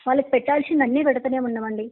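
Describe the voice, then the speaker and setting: A woman's voice: high voice, steady tone, racing. A middle-aged woman with a Telangana Telugu accent, a school principal protesting and repeating denials over a phone line. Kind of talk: defensive phone conversation. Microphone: telephone. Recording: tinny narrowband phone call.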